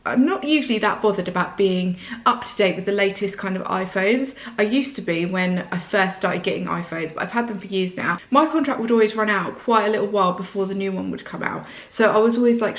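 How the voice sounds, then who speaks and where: A woman vlogger with a slight sore throat, chatting excitedly through a casual unboxing indoors. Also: mid-range voice, echoey room.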